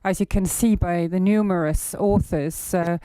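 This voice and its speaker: A man with an Estonian accent, hoarse today, giving a research presentation in a halting way with many filler sounds. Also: high voice, steady tone, mellow, dry recording, rough recording. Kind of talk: conference presentation.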